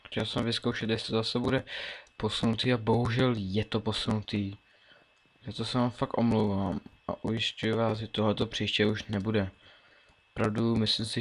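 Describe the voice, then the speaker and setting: A young man in his late teens casually commentating his own gameplay, mumbling and thinking aloud as he plays, with keyboard and mouse clicks behind him. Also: fairly low pitch. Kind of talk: casual Let's Play commentary.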